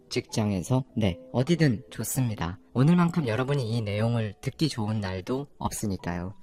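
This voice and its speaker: A man's voice: mid-range voice, darkish tone. A man in his forties hosting a reflective motivational talk, speaking straight to his listeners and posing rhetorical questions. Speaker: channel host.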